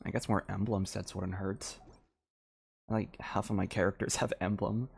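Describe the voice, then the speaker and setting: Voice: low-pitched, steady tone, normal speed, gravelly, breathy edge. A video game streamer giving casual live gameplay commentary, thinking aloud hesitantly and often trailing off mid-sentence.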